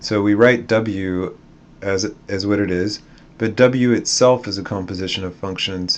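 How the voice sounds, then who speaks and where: A man talks in a normal speaking voice at a moderate pace. His pitch is fairly low, with fairly even intonation. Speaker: math teacher. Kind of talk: lecture. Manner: casual, with many fillers.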